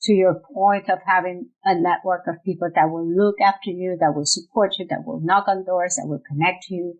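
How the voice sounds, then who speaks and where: A woman's voice: lowish voice, steady tone, normal speed, phone-quality sound. A middle-aged woman with a Puerto Rican accent, speaking as an interview guest and telling a personal story conversationally. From Puerto Rico. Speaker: podcast guest, nonprofit chief executive.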